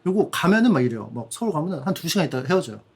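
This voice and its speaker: A Korean man in his forties hosting a casual studio chat, telling stories in an animated, bantering way. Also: on the high side, rapid-fire, breathy edge. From South Korea. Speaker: host.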